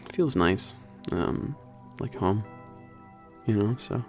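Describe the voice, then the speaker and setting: A laid-back young werewolf trainer at a spaceport, acted by a man, speaks in a deep voice full of vocal fry. He is halting and informal, a little gruff, mumbling and trailing off as in an intimate ASMR roleplay. Soft music plays behind him. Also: lively intonation. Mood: relaxed, nostalgic. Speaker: workplace trainer. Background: soft background music.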